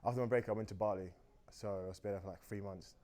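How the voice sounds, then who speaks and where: A man's voice: on the low side, fairly even intonation, fast, warm tone. A young man from Austria, a native German speaker, chatting on a date in a talkative, reflective, rambling way. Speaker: dating show guest. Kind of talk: casual dating conversation.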